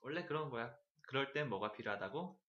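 A man's voice: medium pitch, expressive, fairly quick, a bit bright, muffled recording. A man coaching English in a casual chat, teasing and prompting his partner.

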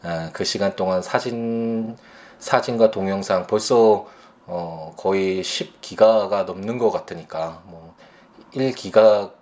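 A man in his thirties, a father, speaking reflectively about his son, pausing often with fillers. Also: sits low, darkish tone. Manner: slow, hesitant, many fillers. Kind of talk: reflective personal testimony.

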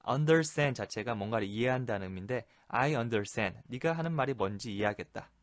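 A man teaching English expressions in a relaxed explanatory lesson, repeating phrases slowly for practice. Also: mid-range voice, no room sound, clean studio sound. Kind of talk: Korean-language English lesson explaining sitcom lines.

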